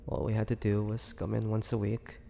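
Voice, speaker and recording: Brooding male half-vampire, acted by a man for audio roleplay: gravelly, confiding, halting, with long hall reverb and faint noise. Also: on the low side, steady tone, warm tone. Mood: wistful. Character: melancholy male half-vampire confiding his tragic past. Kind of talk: slow dramatic monologue, audio roleplay.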